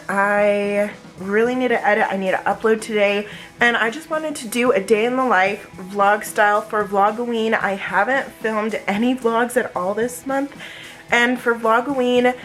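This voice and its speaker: A woman vlogger with a fairly high voice talks casually to her viewers. She is chatty and informal, in the style of a day-in-the-life vlog, with faint music behind her. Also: normal speed, fairly bright tone, rough recording.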